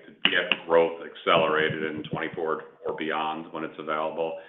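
Male corporate executive, very low voice, measured and emphatic business delivery over an echoey conference line. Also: a little hiss or hum. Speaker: company executive answering analysts. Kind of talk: earnings call answers, corporate talk. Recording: echoey, band-limited conference phone line.

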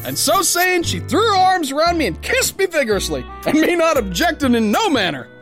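A man's voice: very high voice, big pitch swings, brisk, a bit bright, soft background music, exaggerated voice. A man playing a big, boastful, gullible boxer who tells his tale in slangy, ungrammatical tough-guy talk for a pulp radio play. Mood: smug, then dismayed. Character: big brawling boastful soft-hearted gullible male boxer, slangy narrator.

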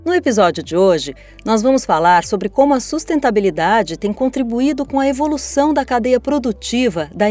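A woman's voice: a little high, darkish tone. A woman with a Brazilian accent presenting a podcast from a script as its host, in a formal, articulate manner.

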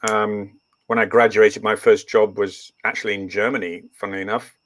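A man's voice: fairly low pitch, level tone, moderate pace, a bit bright. An older man who grew up in East Africa, speaking English with Swahili as his first language, telling his story as a guest in a rambling way full of ums and restarts. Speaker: guest, veterinarian. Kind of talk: relaxed interview storytelling.

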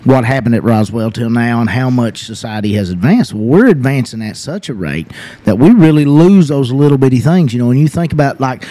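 A man's voice: medium pitch, expressive, fairly quick, warm tone. A man who hosts a podcast and chats casually, rambling with lots of "like" and laughing often. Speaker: podcast host. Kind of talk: casual chat.

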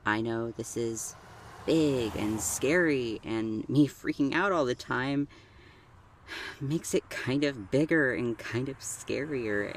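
A woman's voice: extremely low pitch, noisy background, heavily acted. A woman playing an anxious, sincere young driver in an audio drama, speaking hesitantly and naturally. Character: earnest anxious young magical driver, college-bound.

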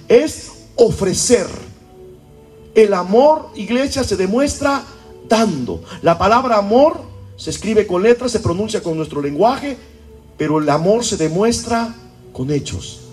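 A man's voice: sits high, lively intonation, unhurried, a little mellow, faint music behind. A pastor preaching a sermon to his church, often throwing rhetorical questions at the congregation. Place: church service.

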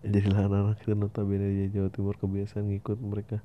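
A man's voice: monotone, fast. Pria bersuara rendah dan datar, rekaman agak redam. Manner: informal, slangy, swears casually. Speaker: podcast host. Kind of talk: casual solo talk, reading listener emails aloud with asides. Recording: dull lo-fi audio with faint rumbling noise.

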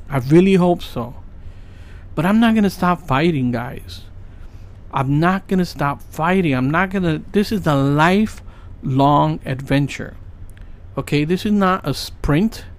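A man in his late thirties talking casually and earnestly about his goals, rambling with many fillers and asking "right?" often. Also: fairly high pitch. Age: 30s. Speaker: podcast host. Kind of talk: casual motivational monologue.

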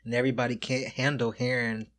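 A trans woman in her twenties from Michigan, co-hosting a podcast in casual chat, with a low, quiet voice, blunt and outspoken. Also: flat delivery, fast talker. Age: 20s. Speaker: podcast co-host.

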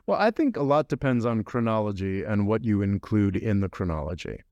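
A man's voice: lowish voice, expressive, brisk, darkish tone, no echo, highs cut off. A man hosting a podcast, giving long, rambling, opinionated explanations in casual talk. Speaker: podcast host.

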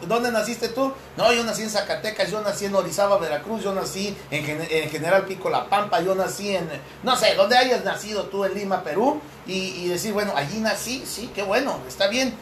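A man hosting a casual Catholic talk show, chatting with a co-host, joking and laughing often, and reading news aloud. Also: high voice. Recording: roomy with faint background noise.

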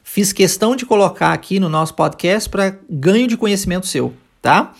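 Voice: medium pitch, lively intonation, moderate pace, gravelly, slightly rough. Brazilian teacher giving an informal, emphatic lesson. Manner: conversational, emphatic, checking in with short tag questions. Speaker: English teacher and podcast host. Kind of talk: informal audio language lesson.

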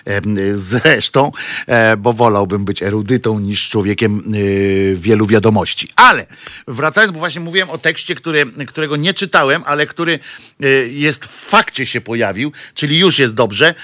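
Bright-voiced man with rambling, sarcastic commentary. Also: medium pitch, normal speed. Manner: rambling and sarcastic, full of hesitations and restarts; mocking the press and clergy with dry jokes. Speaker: commentator, regular on a weekly satire show. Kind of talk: casual satirical commentary.

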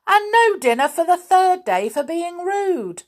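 A woman's voice: a little high, very animated, takes it slowly, voice pushed up. A woman voicing a stern, bossy male schoolmaster who roars his orders. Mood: roaring. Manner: shouting, barking orders.

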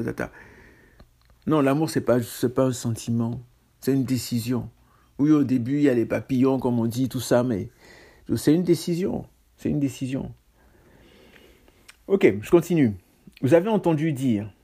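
A man's voice: mid-range voice, warm tone. A man preaching a casual sermon on scripture, talking conversationally with self-mocking asides and stammered restarts.

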